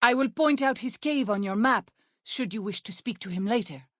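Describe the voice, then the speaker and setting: An actress voicing a solemn, devout tribal woman in a video game, speaking in a formal, measured and earnest way. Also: a little high, lively intonation, no echo, studio quality. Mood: calm, courteous. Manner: formal, measured, earnest speech with few contractions. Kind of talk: video game character dialogue.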